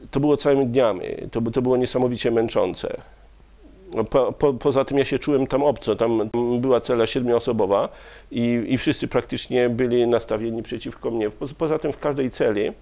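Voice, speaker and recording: A man in his fifties, a guest in a studio interview, talking haltingly with many pauses and restarts, speaking into a lapel mic. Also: medium pitch, creaky, dark tone. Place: small studio with curtain backdrop.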